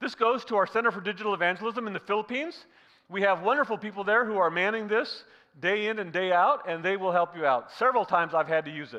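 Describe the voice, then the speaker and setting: A man's raised, projected voice, high in pitch and bright and sharp in tone, with lively intonation at a fairly quick pace. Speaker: digital evangelism trainer. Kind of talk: training presentation. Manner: fast.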